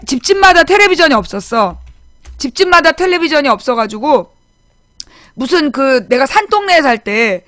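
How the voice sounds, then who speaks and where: High-pitched woman host rambling through a childhood story on a live stream, dry close sound. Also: fairly bright tone, dry recording. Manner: chatty storytelling with frequent restarts, reads viewer names aloud. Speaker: political talk show host. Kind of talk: casual live-stream chat.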